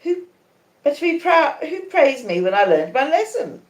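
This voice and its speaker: Woman acting a haughty young lady, raised pitch, measured, coolly defiant, storybook dialogue, echoing room. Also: big pitch swings. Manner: measured, reasoning, emphatic rhetorical questions. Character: proud, cool young lady, calmly defiant. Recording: echoey conservatory.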